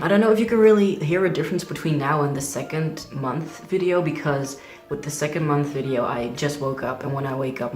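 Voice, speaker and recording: A man's voice: on the high side, roomy sound. A young trans man talking candidly in a casual video diary, chatty and full of "like" fillers. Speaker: vlogger.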